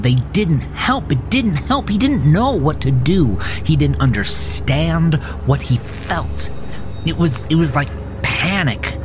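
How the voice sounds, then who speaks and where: Man narrating dramatically with widely swinging pitch. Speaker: narrator of a horror thriller audio drama. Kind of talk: dramatic scripted storytelling. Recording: loud music under the voice. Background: loud music bed.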